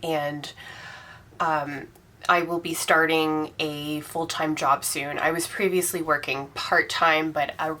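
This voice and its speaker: Brief: woman host in her 30s, congested from a cold, low and bright voice, chatty, lots of ums. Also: flat delivery, slow. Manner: chatty and enthusiastic, with frequent ums. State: congested from a cold, slightly sore throat. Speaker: tarot channel host. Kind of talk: casual monthly wrap-up vlog.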